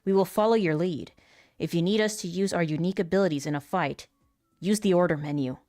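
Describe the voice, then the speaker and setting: A commanding female military commander, voiced by a woman, firm and authoritative yet unbothered, as if she has seen it all. Her voice sits a touch low and is heard close and dry, with no room sound. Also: fairly quick, a little mellow, no room sound, natural voice. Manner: firm, authoritative delivery of game instructions. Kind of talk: voice acting demo reading game lines.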